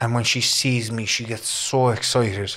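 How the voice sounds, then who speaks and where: A man speaks with a Cork accent in a flat monotone. The background is quiet. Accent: Cork Irish. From Ireland. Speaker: podcast host in recovery; podcast guest. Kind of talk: casual chat. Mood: heartfelt, reflective. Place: studio. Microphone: studio mic.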